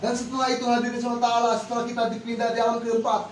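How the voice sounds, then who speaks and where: A man's voice: extremely high pitch, completely flat delivery, very fast. A man preaching a Muslim sermon, exhorting listeners with rhetorical questions. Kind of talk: religious sermon to an audience. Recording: echoey, distant mic with faint noise.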